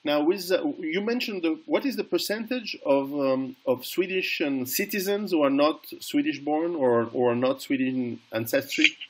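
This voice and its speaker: A middle-aged man interviewing over a video call, asking halting questions with many restarts. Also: fairly high pitch, fairly bright tone, rough recording.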